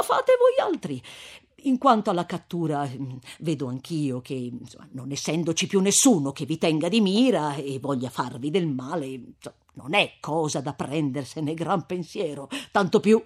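A man's voice: on the high side, very animated, darkish tone, slightly rough. Don Abbondio, a man doing a timid old priest. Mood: relieved, chatty. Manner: chuckling, hesitant with drawn-out fillers. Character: elderly timid country priest, relieved and chatty. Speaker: parish priest.

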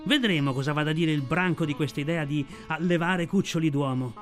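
A man's voice: on the high side, expressive, moderate pace, fairly bright tone, faint music behind. A man doing a menacing, arrogant male tiger. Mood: threatening. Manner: boastful, threatening.

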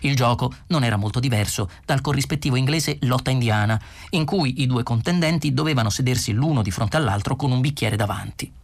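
An audiobook narrator reading a comic novel in an expressive, lively way. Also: a little fast, hardly any pauses. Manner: expressive, with wide pitch swings.

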